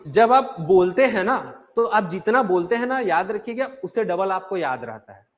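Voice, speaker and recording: A man with a fairly high voice teaches an exam-prep class. He explains step by step, asks his students questions and then answers them himself. slip into his sentences now and then. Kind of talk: online class lecture.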